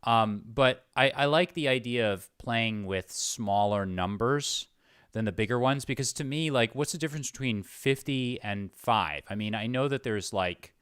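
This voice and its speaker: A man's voice: mid-range voice, moderate pace, fairly bright tone, clean tone, no room sound, clean studio sound. A man interviewing in a casual, conversational way, tentative and rambling but agreeable.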